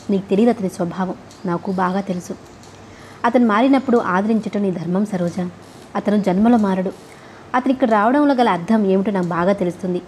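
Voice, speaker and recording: A woman's voice: mid-range voice, mellow, slight background noise. A woman narrating a novel, reading every character's lines herself in her own voice. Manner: reads all characters' dialogue in the same voice.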